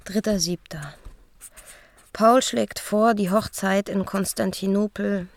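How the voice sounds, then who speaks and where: An actress playing a dreamy young East Berlin woman in love, musing in a hushed, intimate radio drama diary monologue. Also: mid-range voice, steady tone, takes it slowly, dry recording. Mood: matter-of-fact, musing.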